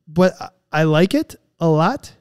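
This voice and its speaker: A man's voice: fairly high pitch, animated, unhurried, darkish tone, smooth, dry recording, studio quality. A man co-hosting a podcast in casual banter, talking in an informal millennial way full of hedges and hyperbole. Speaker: podcast co-host.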